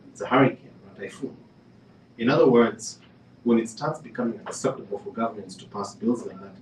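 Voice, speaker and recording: A man's voice: on the low side, a little mellow, slight background noise. A man from Kenya speaking on a panel discussion, telling a story in a conversational way with fillers and restarts, building to emphatic points. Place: panel event in a room. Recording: echoey room, speaker far from the mic.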